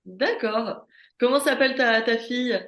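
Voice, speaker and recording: A woman's voice: on the high side, a little slow, a bit bright, roomy sound. A woman hosting a podcast interview, asking questions and encouraging her guest with short affirmations. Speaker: podcast host. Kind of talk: conversational interview.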